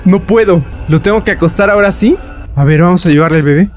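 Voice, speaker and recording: A man's voice: high voice, fast talker, a little mellow, a little hiss or hum. A man commenting on a horror game he is playing, joking and breaking into nervous laughs and shrieks. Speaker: gaming YouTuber.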